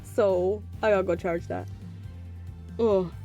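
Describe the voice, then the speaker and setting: A woman's voice: mid-range voice, steady tone, slow, warm tone, highs cut off, soft background music. A woman streaming a game, chatting casually as she wraps up while her voice is giving out. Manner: plays all the characters in one voice, sings bits to herself. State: losing her voice. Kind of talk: reading game dialogue aloud, then casual chat.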